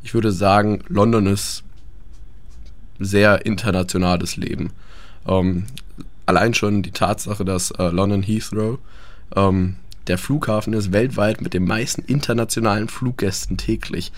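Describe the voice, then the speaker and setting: A man's voice: on the low side, steady tone, a little slow, no echo. A young man chatting about life abroad, hesitant with many fillers. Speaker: guest. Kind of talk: casual radio chat.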